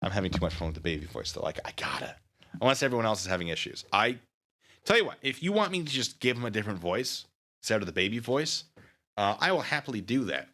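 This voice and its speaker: A man's voice: fairly low pitch, big pitch swings, fast talker, sharp tone. A man live streaming, rambling casually with mock-petty sarcasm while reading chat.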